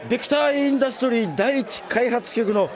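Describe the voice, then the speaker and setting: A man's voice: very high-pitched, fairly quick, crowd noise. A man playing a sensitive, put-upon young engineer in an anime audio drama, earnest and hesitant. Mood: shy, glad.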